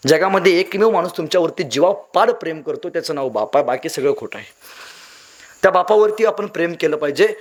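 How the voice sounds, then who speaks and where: A man's voice: fairly high pitch, animated, brisk. A young man from Maharashtra, giving a motivational speech full of acted-out stories and emotional swings. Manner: dramatic, acts out voices in anecdotes, emotional swings. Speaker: motivational speaker.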